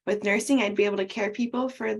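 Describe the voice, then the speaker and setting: A woman's voice: medium pitch, steady tone, quick pace. A young woman from Ontario, a nursing student, answering in a straightforward, earnest way. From Ontario, Canada. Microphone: video call.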